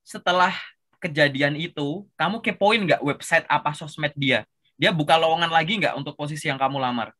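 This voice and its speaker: A man's voice: fairly high pitch, normal speed, bright, forceful tone. A man casually coaching a job seeker over a video call, chatty and explanatory, with lots of filler tags. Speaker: career coach.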